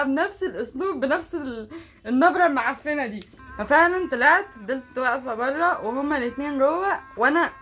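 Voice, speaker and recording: A woman's voice: sits high, fairly bright tone. A young Egyptian woman telling a personal story casually, chatty and often laughing as she acts out both sides of conversations. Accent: Egyptian Arabic. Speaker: vlogger.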